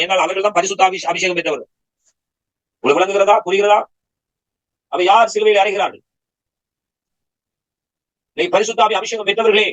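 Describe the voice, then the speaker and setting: This man's voice sits high and sounds a bit bright, captured on a low-quality recording. Preaching at a Bible study, he peppers the audience with rhetorical questions and urges them on forcefully.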